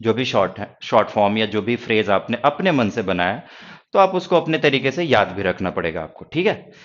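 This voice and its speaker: A man's voice: fairly low pitch, expressive, brisk, muffled recording. A man with a Hindi accent teaching a stenography class, reassuring his students and asking them rhetorical questions. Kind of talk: classroom lecture.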